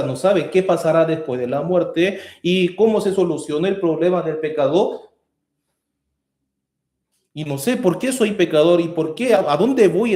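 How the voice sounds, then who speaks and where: Earnest pastor preaching in an echoey hall. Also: male voice, mid-range voice, dark tone. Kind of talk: sermon. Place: church hall.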